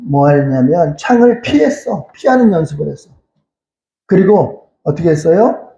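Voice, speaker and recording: A male pastor delivers a sermon in a high, mellow voice that swings widely up and down. He poses questions and answers them himself, repeats phrases and calls out hallelujah. The recording is echoey and a little muffled, as in a church sanctuary. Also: sing-song, moderate pace, creaky. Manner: cries out hallelujah again and again.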